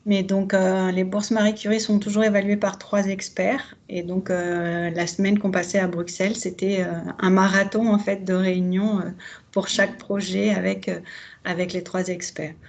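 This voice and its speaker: Woman, low gravelly voice, flat delivery, steady webinar panelist. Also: moderate pace, highs cut off. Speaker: expert evaluator panelist. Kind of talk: webinar discussion.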